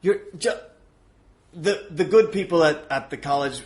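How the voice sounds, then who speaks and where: A man with a slightly high, darkish voice speaks a little slowly as a podcast guest. As a wrestling show promoter in an improvised comedic argument, he apologizes and hesitantly tries to appease the other person.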